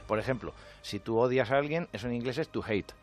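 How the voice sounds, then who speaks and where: A man's voice: medium pitch, quick pace, faint music behind. A man from Spain doing a sarcastic comic monologue on radio with a Spanish accent. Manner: sarcastic, jokey, mimics other voices. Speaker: comedian.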